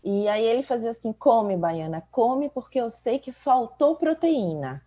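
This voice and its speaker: A Bahian woman with a slightly high, husky voice talks through a video call. She speaks in a reflective, storytelling way and keeps checking in with "né?". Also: expressive, unhurried, dark tone. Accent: Bahian Portuguese. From Salvador, Bahia, Brazil. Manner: reflective, storytelling, many filler tags like "né". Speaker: doctor and podcast co-host. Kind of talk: casual conversation.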